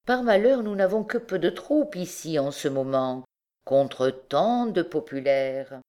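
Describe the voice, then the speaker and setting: A scheming, suspicious old king, brooding one moment and commanding the next, voiced by a woman reading an audiobook. The voice sits low and dark, with measured authority. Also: lively intonation. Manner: musing, then barking orders.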